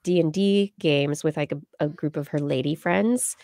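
A woman's voice: low-pitched, normal speed, dark tone, no echo. A middle-aged American woman hosting a casual livestream chat, playful and rambling, talking close into a large microphone. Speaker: podcast host. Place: indoors on a video call. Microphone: large microphone on a boom arm, close up.

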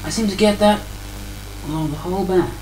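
A man's voice: sits high, a little fast, darkish tone, slight background noise, rough recording. Grumpy, sarcastic hobbyist man. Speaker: hobbyist radio builder. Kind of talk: casual demo narration. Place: indoor workbench.

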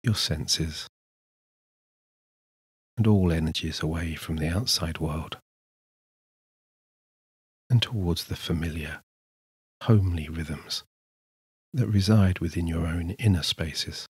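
A man narrating a scripted sleep hypnosis session in a soothing, measured manner with unhurried pauses. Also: sits low, slightly rough, dry recording, studio quality. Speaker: hypnotist, guided meditation narrator.

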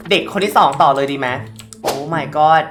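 A woman's voice: low voice, moderate pace, faint music behind. A woman hosting a game let's play, chatting politely and shrieking now and then. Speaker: gaming host.

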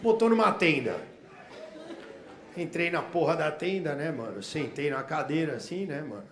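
On a comedy stage before a laughing audience, a Brazilian stand-up comedian tells a story full of slang and curses, acting out the dialogue in other voices. His fairly high voice is animated and moves at a normal speed. The live room echoes and audience noise comes through.

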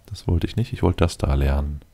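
A man's voice: rumbling low, brisk, creaky, mellow, breathy edge. A man giving casual gameplay commentary, thinking aloud and muttering to himself as he plays. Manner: muttering to himself, addressing game units directly. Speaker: let's player commenting on his game.

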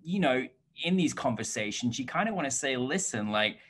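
A man's voice: medium pitch, animated, normal speed, a bit bright, slight background noise. Effusive male interviewer on a video call. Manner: effusive, rambling. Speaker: interview host. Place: indoor room, video call.

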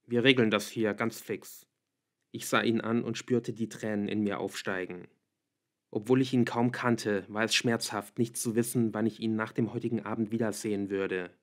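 A man's voice: lowish voice, steady tone, normal speed. Man reading an audiobook evenly. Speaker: audiobook reader. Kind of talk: audiobook narration.

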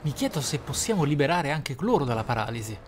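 A man's voice: a little high, big pitch swings, fast talker. Italian guy doing casual gaming commentary, game music behind him. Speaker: gaming channel host. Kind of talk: casual let's play commentary.

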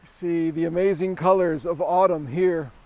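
A man's voice: on the high side, fairly even intonation, moderate pace, a little mellow. A middle-aged man talking casually to a handheld camera as he walks around, making wry asides to the viewer. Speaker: travel vlogger. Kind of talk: casual walking vlog narration. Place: outdoors on rainy town streets and inside a shop. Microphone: handheld camera at arm's length.

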